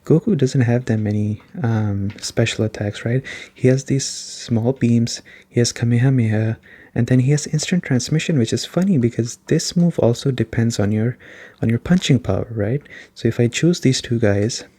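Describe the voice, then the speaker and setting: Male game reviewer for relaxed ASMR commentary: soft, dark-toned, gentle and conversational. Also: medium pitch. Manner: soft-spoken, gentle and unhurried. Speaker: gaming reviewer and video host.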